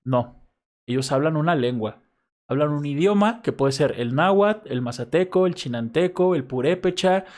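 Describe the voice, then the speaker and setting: A man with a Mexico City accent lecturing to his class as a university professor. His voice sits a little high for a man, and he explains step by step. He keeps pausing to check in with quick tag questions. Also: animated, a little mellow. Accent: Mexico City Spanish.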